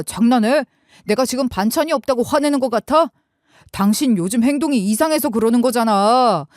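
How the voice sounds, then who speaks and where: A suspicious middle-aged husband presses with sharp, demanding questions, as a woman narrator puts him on. The delivery is raised and forceful, recorded dry and close. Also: fairly high pitch, dry recording, voice pushed up, close to an everyday voice. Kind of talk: scripted audiobook dialogue.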